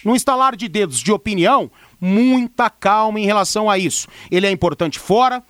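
Brazilian man, radio sports commentator, high dry-sounding voice, emphatic opinion delivery with repetition. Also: lively intonation, brisk, fairly bright tone, no echo. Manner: insistent, emphatic, repeats for emphasis.

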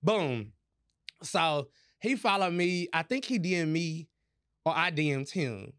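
A man hosting a podcast, telling a story in casual chat, animated and profane, laughing as he goes. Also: fairly high pitch, unhurried, clean tone. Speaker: podcast host.

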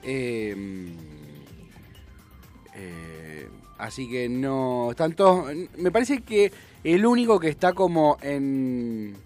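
A man's voice: mid-range voice, sing-song, slow pace, a little mellow, faint music behind. A man from Buenos Aires province with a Rioplatense accent, hosting a casual talk radio chat and arguing his points with many restarts. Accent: Rioplatense Spanish. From Buenos Aires province, Argentina. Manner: hesitant, restarts and fillers, argumentative. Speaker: radio host.

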